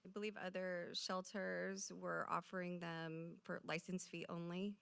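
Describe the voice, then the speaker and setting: Female city staffer, lower-pitched, explaining policy at a public meeting. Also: level tone, a little slow, vocal fry, fairly bright tone, smooth. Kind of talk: answering council questions at a public meeting.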